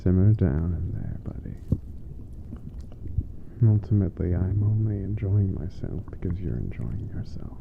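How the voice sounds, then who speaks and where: A man playing a gentle, teasing, affectionate giant roommate in an intimate ASMR roleplay, soft-spoken and playfully formal. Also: sits low, unhurried, gravelly, narrow, tinny audio, background noise. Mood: amused, affectionate.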